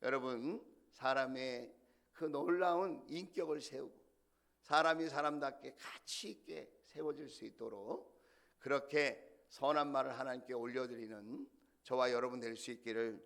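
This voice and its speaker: A man's voice: medium pitch, moderate pace, creaky, fairly bright tone. A middle-aged male senior pastor delivering a sermon, telling stories with animation and putting questions to the congregation.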